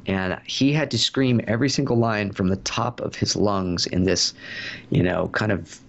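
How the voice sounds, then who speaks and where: Gravelly-voiced man, chatty guest. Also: lowish voice, moderate pace, dull audio, slight background noise. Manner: chatty storyteller, many fillers and restarts. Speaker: voice actor guest. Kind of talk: casual interview answers.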